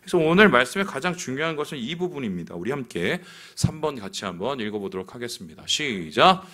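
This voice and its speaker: A man's voice: medium pitch, fast. A male pastor preaching a sermon in a church, asking his listeners questions as he goes. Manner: animated, asks the congregation questions. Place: church sanctuary.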